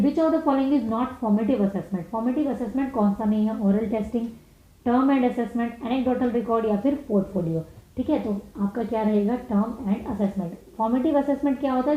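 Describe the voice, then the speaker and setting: A woman with an Indian accent, a teacher working through exam questions, reading each one out slowly and then explaining it quickly. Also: a little high. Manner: reads English slowly, explains fast in Hindi. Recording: echoey dull room sound.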